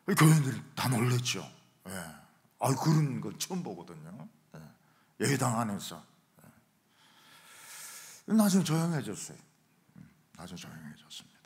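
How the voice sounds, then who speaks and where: Animated pastor with a southeastern lilt. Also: male voice, mid-range voice, normal speed, long pauses. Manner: animated storytelling, acts out shouted quotes. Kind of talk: revival sermon. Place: church sanctuary.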